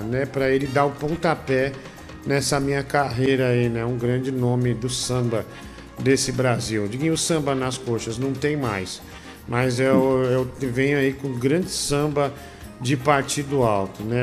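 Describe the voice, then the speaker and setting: A man hosting a comedy show, reading viewer messages aloud in a rambling, joking way. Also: mid-range voice. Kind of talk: reading superchats, bantering.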